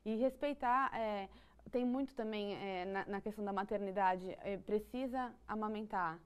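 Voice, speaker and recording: A mid-range, clear, resonant female voice at a moderate pace belongs to a psychology guest with a Brazilian Portuguese accent. She explains ideas in conversation with thought, many restarts, and light laughter.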